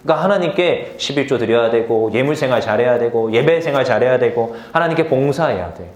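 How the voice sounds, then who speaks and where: A man's voice: medium pitch, quick pace. A man in his thirties preaching a casual sermon, telling stories and acting out the voices of the people in them. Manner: animated storytelling, acts out quoted voices. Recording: echoey room.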